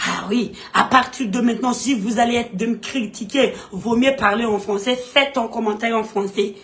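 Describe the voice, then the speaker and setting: A woman's voice: fairly high pitch, moderate pace, a bit bright. A Malagasy woman, the host of a live stream, chatting casually in French and scolding her viewers in an emphatic, repetitive way. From Madagascar. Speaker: streamer reading comments.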